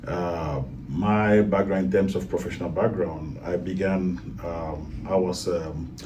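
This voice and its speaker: A man's voice: deep voice, fairly even intonation, measured pace, far from the mic, background noise. A man from Cameroon, a guest in a casual talk, speaking with many fillers and restarts. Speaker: guest, IT project manager.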